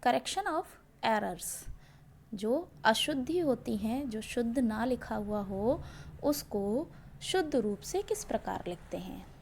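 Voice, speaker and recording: A woman schoolteacher gives a grammar lesson, turning each point back into a question and then answering it herself. She speaks slowly and deliberately in a slightly high, animated voice, stressing key words, with background noise behind her.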